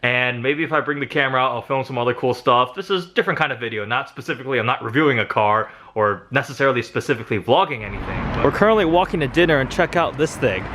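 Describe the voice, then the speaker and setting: A young man from the United States, a car vlogger, walks city streets and shops narrating a casual car-spotting vlog, chatting and pointing things out. He speaks at a quick pace with few pauses. His mid-range voice is bright and forceful, recorded on a handheld camera mic.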